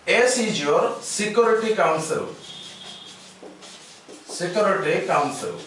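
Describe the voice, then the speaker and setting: A man with an Indian English accent lectures slowly and deliberately in a fairly high voice. He spells out letters and repeats key words. The sound is very echoey and comes from some distance off the mic. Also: animated, fairly bright tone, slight background noise. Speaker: teacher. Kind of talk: classroom lecture. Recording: very echoey room, mic far off.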